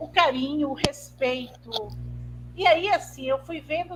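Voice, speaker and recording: A woman's high-pitched voice at a fairly slow pace. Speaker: professor and researcher, anthropologist and nurse. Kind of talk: interview on live stream. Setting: online live broadcast.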